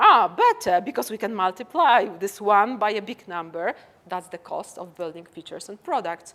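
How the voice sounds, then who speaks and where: A woman with a Polish accent talks at a moderate pace and medium pitch. Her intonation is lively, with big swings in loudness. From Poland. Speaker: conference speaker. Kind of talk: conference Q&A.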